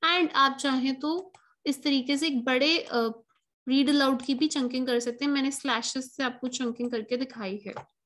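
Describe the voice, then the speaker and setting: A high-pitched woman gives an online lesson. She talks straight to her viewers and walks them through the task. She slows right down on the words she wants to stress. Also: steady tone, a bit bright. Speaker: exam prep tutor. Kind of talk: online lesson, Hindi mixed with English.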